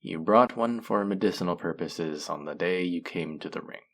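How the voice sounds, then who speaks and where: A man's voice: low-pitched, normal speed, fairly bright tone. A man playing a teasing, sardonic, flirtatious male faerie in a scripted audio roleplay. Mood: exasperated, sardonic. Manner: sardonic, teasing, drawling with sighs.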